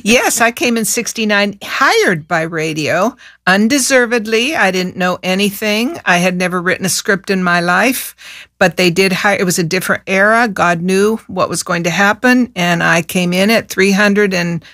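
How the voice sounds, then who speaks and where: An older woman from Peru speaks as a radio guest, rambling through memories with a self-deprecating laugh. The sound is dry and close, with no room around it. Her pitch sits in an ordinary middle range. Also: normal speed, fairly bright tone, no echo. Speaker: guest, retired literature professor. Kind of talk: casual radio interview chat.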